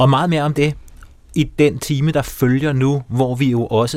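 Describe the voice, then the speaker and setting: Speaking at a fairly slow pace, a man uses a plain, everyday voice at a medium pitch. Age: middle-aged. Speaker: radio host. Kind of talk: radio talk show interview.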